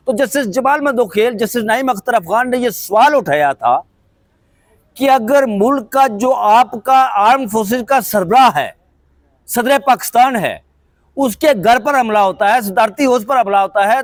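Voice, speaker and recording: Pakistani man, political commentator; high voice, dry close sound, measured and critical delivery. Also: no room sound. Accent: Pakistani Urdu. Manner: measured, explanatory, pointedly critical. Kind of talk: news commentary to viewers.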